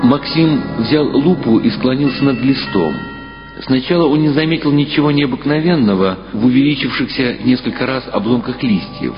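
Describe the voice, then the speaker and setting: A man's voice: mid-range voice, normal speed. A man reading scripted fiction as the narrator of an audiobook. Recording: dull radio-like sound over loud music.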